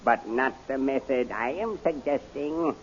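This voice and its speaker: A man's voice: mid-range voice, measured pace, natural voice. Hot-tempered male general, acted by a man for vintage radio adventure: boastful bluster, mid-range voice, faint hiss, dulled recording. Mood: scheming. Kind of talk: 1930s radio acting. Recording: muffled, hissy 1930s radio recording.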